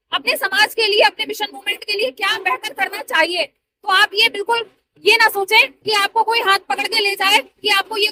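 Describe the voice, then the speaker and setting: A woman's voice: very high voice, pushed and bright, rough recording. A woman in her thirties, a party worker answering interview questions in an earnest, persuasive way. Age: 30s.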